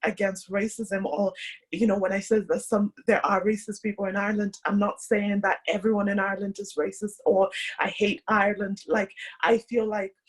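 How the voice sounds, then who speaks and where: A chatty woman from Kenya hosting a podcast, her talk full of filler words. Her voice is slightly husky and breathy, at an ordinary pitch for a woman. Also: little pitch movement, normal speed. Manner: chatty, many "like" and "you know" fillers. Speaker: podcast host. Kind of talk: casual conversation.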